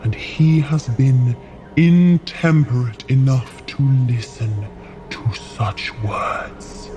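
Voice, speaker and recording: A man playing a solemn, idealistic, weary frost giant in an audio drama, speaking in grave, measured storytelling. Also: medium pitch, steady tone, mellow, faint music behind. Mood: conspiratorial. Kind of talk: scripted audio drama acting.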